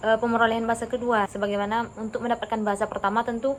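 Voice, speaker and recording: A woman's fairly high voice at a very fast pace. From Indonesia, Minangkabau (West Sumatra). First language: Minangkabau (speaking Indonesian). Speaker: university student. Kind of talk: student presentation. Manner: halting with frequent fillers.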